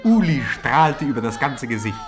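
A man narrating a children's audio drama in an expressive storytelling manner. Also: mid-range voice, normal speed, over a noisy crowd, very noisy.

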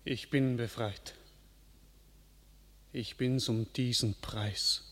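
A man's voice: mid-range voice, fairly even intonation, drawn-out words, a bit bright, long reverb tail. An actor playing a solemn, grieving nobleman in a classic radio play, speaking in an elegiac way. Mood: moved.

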